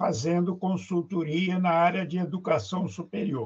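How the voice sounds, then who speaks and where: The man's voice is high in pitch, and he speaks at a fairly slow pace. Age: 80s+. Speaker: educational consultant. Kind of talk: radio interview.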